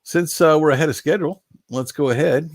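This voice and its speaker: Speaking briskly at a fairly high pitch, an older man runs a laid-back live stream, slightly nasal because of allergies. He wanders through folksy, chuckling asides while reading viewer names aloud, and there's no echo.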